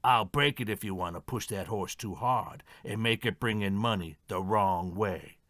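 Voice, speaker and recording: A man's voice: lowish voice, moderate pace, fairly bright tone, no echo, clean studio sound, natural voice. A man acting a stubborn, defensive horse trainer in an audio mystery play, respectful but defiant. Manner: defensive, addresses superiors respectfully.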